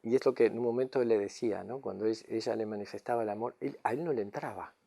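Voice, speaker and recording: A man's voice: lowish voice, fast, gravelly, mellow. A man teaching as a spiritual guide and therapist in a reflective talk, often checking in with a questioning "mm?" or "no?". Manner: tags lines with questioning "mm?" and "no?" to check understanding.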